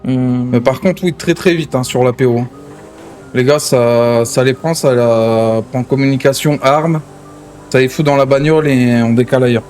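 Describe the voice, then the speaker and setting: A man's voice: mid-range voice, fairly even intonation, normal speed, a little mellow, faint music behind. A man improvising dialogue in an online game roleplay, speaking in a commanding, slangy and casual way. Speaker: streamer role-playing a gang boss in an online game.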